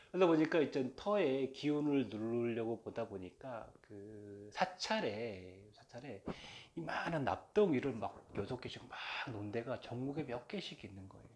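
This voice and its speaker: A man's voice: mid-range voice, a little mellow, slight background noise. A man hosting his own channel, giving a casual, rambling lecture on folk religion with lots of fillers and joking asides. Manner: rambling and chatty, with many fillers and self-aware jokes; playfully mimics regional dialects. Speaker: channel host talking about folk religion.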